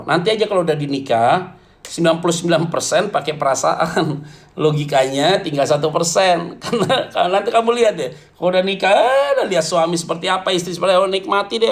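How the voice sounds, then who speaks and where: A man preaching to a congregation as pastor, animated and jokey, often turning to address his listeners directly. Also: on the high side. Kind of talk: lively humorous sermon.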